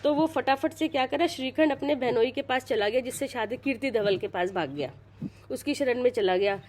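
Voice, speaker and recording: A high-pitched middle-aged woman narrating a sacred tale to a small group. She talks casually and loosely, circles back over her words and restarts sentences, and stops now and then to check that everyone is following. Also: a little fast, a little mellow. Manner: chatty, repeats and restarts, checks listeners follow. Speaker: storyteller retelling a Purana. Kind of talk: casual religious storytelling.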